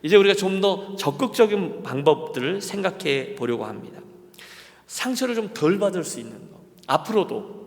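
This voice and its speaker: A man's voice: on the high side, creaky. Middle-aged male pastor, earnest sermon delivery with a rising and falling voice, recorded in a reverberant sanctuary. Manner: earnest, addresses the congregation directly. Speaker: senior pastor. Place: church sanctuary at a Friday service. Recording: long church hall reverb.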